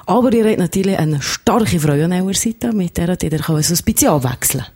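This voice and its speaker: A radio host in the studio keeps the talk chatty and light, slipping in jokes between questions. The voice sits at an ordinary middle pitch. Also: lively intonation, brisk, darkish tone, slightly rough. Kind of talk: radio interview.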